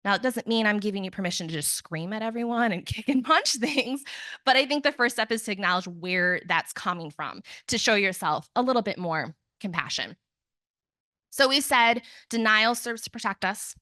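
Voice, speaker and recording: Young woman counselor talking grief at a conference, bright voice, dry sound, chatty. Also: mid-range voice, expressive, normal speed, no echo. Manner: conversational, self-deprecating asides, acts out quotes.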